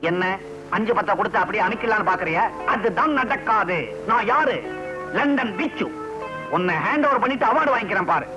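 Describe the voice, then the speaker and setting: A fussy, boastful man back from abroad in an old film comedy. His voice sits very high and swings widely as he talks theatrically and drops in English. The dull lo-fi soundtrack carries music underneath. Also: expressive, a little fast. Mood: scolding. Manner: theatrical, sprinkles English phrases. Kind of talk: 1980s Tamil film comedy acting.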